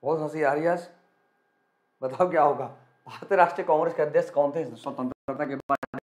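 Energetic male exam-prep teacher, echoey room. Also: a little high. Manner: energetic, repetitive, coaxing students to answer quickly. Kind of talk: live quiz lesson for students.

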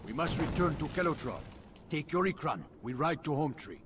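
A man's voice: fairly high pitch, animated, normal speed, natural voice. A man playing a grave, loyal alien tribal warrior in a video game, speaking in formal, clipped phrases. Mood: urgent. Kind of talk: video game character acting. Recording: faint background noise.

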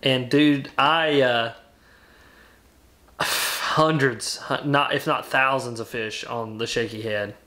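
A young adult man arguing his case in an animated, emphatic way as a guest on a video call from home. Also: medium pitch, takes it slowly. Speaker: guest angler. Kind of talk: casual debate over a video call. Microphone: webcam on a video call.

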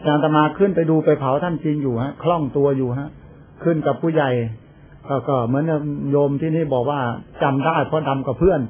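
Older male monk, casual storytelling sermon, slightly raised pitch, faint noise under the voice. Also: steady tone, a little fast, darkish tone. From Thailand. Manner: chatty storytelling with laughs and quoted voices. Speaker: Buddhist monk. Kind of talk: informal sermon.

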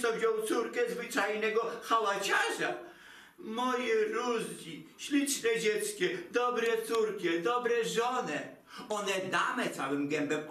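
For a comic stage monologue, a male actor plays a fretful, theatrical elderly Jewish mother who speaks Polish with a Yiddish inflection, lamenting in a singsong voice with broken grammar. His exaggerated voice is very high, bright and forceful. The mic is distant and the sound roomy.

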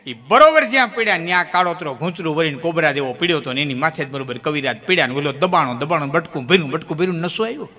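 A man telling comic folk tales to a live audience, his voice pitched a little high and ringing bright. He leaps up suddenly in pitch as the stories build. A long hall reverb trails every line. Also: lively intonation, fast, few pauses. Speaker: folk storyteller. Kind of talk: folk comedy storytelling on stage.

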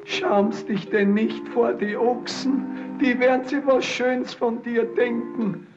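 An actor playing an aged, gout-ridden rich peasant who grumbles and whines. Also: male voice, extremely high pitch, steady tone, slow pace, lo-fi sound, over music. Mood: grumbling.

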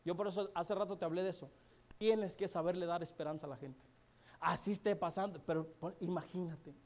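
A man's voice: sits high, fairly even intonation, brisk, a little mellow. A man telling a humorous success story to a live audience in a colloquial, chatty way. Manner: joking, colloquial, chatty with many asides to the audience. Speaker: motivational speaker at a business event.

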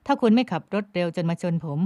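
A woman's voice: fairly low pitch, mellow, dry recording, close to an everyday voice. A woman voicing a stern young man in an audiobook, speaking firmly and evenly, like a lecturing teacher. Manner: firm and measured.

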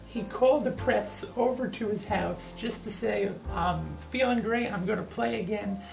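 Male archivist, thirties, eager storyteller with a gravelly creak, slightly distant mic, music underneath. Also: sits high, normal speed. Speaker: archivist and guide. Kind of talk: enthusiastic storytelling interview.

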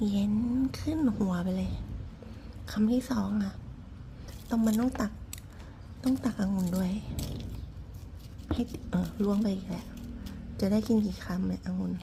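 A woman whispering quietly and breathily, as if late at night, giving soft ASMR commentary while she eats. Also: mid-range voice, vocal fry, a little hiss or hum. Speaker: ASMR eating show host.

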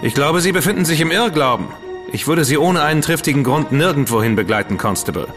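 A proud, sharp-tongued dandy writer played by a man with a high voice full of lively rises and falls. He speaks in articulate, indignant sentences, and loud music runs under the radio drama. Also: quick pace, close to an everyday voice. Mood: haughty. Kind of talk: radio play acting.

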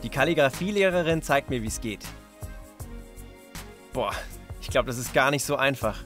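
A man's voice: mid-range voice, expressive, moderate pace, over music. A young man presenting a children's reportage, explaining things simply in short, casual sentences. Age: young adult. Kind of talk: lively explanatory narration and casual chat for children.

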